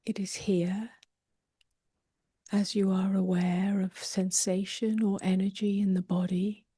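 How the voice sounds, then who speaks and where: A woman meditation teacher leading a guided meditation softly and gently, often drifting toward a whisper, with long pauses. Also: medium pitch, little pitch movement, no echo, studio quality. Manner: soft, breathy delivery drifting toward a whisper.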